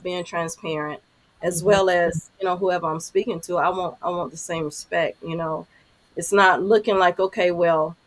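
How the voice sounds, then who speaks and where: Woman, 50s, deep low voice, reflective panelist over a video call. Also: poor audio. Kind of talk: candid panel talk.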